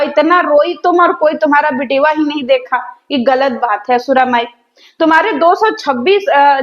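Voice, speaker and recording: A woman's voice: high voice, muffled recording. A young woman, hosting a reaction video and mockingly roasting in sarcastic rambling rants.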